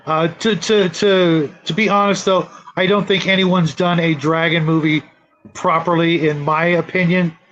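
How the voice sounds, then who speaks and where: Higher-voiced middle-aged man, lo-fi stream audio. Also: level tone, measured pace, fairly bright tone. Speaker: show host. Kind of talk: casual live-stream chat. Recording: dull, lo-fi audio.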